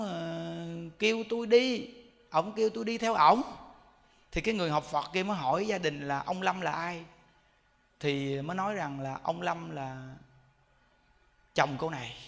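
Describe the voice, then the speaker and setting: High-voiced Southern Vietnamese monk preaching. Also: male voice, big-room sound. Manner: colloquial, addressing listeners directly. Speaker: Buddhist monk. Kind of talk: sermon with storytelling. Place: temple hall.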